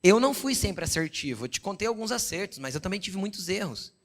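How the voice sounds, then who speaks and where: A middle-aged Brazilian pastor preaching a sermon, telling personal stories and often checking that listeners follow. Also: male voice, sits high, very animated, fast talker, a bit bright. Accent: Brazilian Portuguese. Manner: conversational preaching with frequent "entendeu?" check-ins; storytelling, quoting God and his wife in dialogue.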